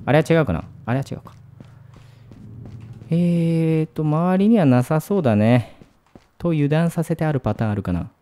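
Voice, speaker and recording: A man's voice: on the high side, animated, normal speed, pauses often, warm tone. A man hosting a gaming video, commentating on a horror game in speech, shifting between muttering and jumpy outbursts.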